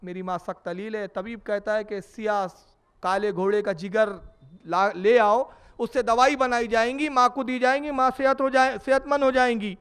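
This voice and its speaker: A preacher doing a poor little boy who begs humbly for help. His voice sits high and clear as he pleads. This is storytelling inside a sermon. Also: fairly even intonation, normal speed, a bit bright. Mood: pleading.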